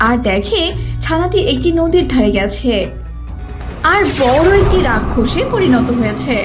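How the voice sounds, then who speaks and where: A woman narrates a children's story from a script. Her voice is high and animated, with music playing behind her. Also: unhurried.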